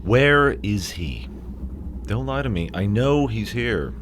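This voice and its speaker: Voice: mid-range voice, sing-song, takes it slowly, slight background noise. An actor playing a hot-headed teenage male football captain in a radio play, blunt and accusatory. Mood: accusing, agitated.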